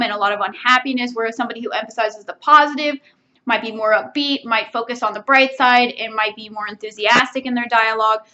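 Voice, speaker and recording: A woman's voice: fairly high pitch, bright, forceful tone, dull audio. A woman giving an instructional video lesson as a writing instructor, explaining in an organized, articulate way.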